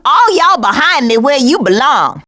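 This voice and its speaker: Sassy, high-pitched streetwise cartoon critter. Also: female voice, big pitch swings, moderate pace, bright, forceful tone, heavily acted. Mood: sassy, sarcastic. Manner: sassy, blunt, sarcastic. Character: sassy, streetwise, tough-talking female cartoon animal. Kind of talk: animated video game voice acting.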